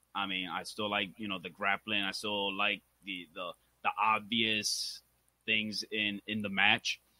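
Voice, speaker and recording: In a Puerto Rican accent, a man speaks at a fairly slow pace and fairly low pitch, the sound dry and close with no echo. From Puerto Rico, then Reading, Pennsylvania. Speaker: professional wrestler. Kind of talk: interview.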